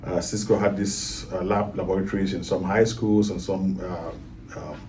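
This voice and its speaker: A man's voice: low voice, fairly even intonation, moderate pace, darkish tone, recorded from a distance, slight background noise, rough recording. A man from Cameroon, a guest in a casual talk, speaking with many fillers and restarts. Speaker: guest, IT project manager.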